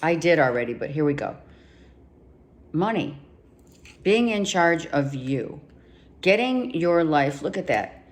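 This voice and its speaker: A low-pitched woman speaks slowly and deliberately as she lays out a tarot reading for her viewers. She repeats key points for emphasis and addresses the listener directly. Her voice is wearing thin and turning hoarse. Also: big pitch swings. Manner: emphatic, repeats herself, talks straight to the viewer. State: losing her voice, coughing. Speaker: tarot reader.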